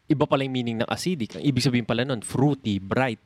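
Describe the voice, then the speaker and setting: A man's voice: mid-range voice, fast, dry recording. A Filipino man co-hosting a podcast in casual chat, enthusiastic and joking as he mixes English into his Tagalog. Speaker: podcast co-host.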